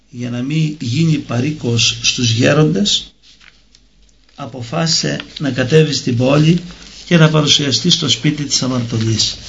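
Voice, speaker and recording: Gravelly male storyteller, lo-fi. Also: medium pitch, fairly bright tone, slight background noise. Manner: slow, measured reading. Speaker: narrator. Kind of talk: storytelling of a religious tale. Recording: dull lo-fi recording.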